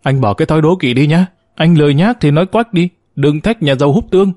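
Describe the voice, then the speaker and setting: This is a blunt, tactless young country wife in a spoken story, voiced by a man. Her lines sit well above a man's normal pitch and come out strident and sharp-tempered. The sound is dry and close, with nothing behind it. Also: animated, measured pace, no echo. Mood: scolding. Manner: raised, strident delivery. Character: brash young country woman, blunt and crude.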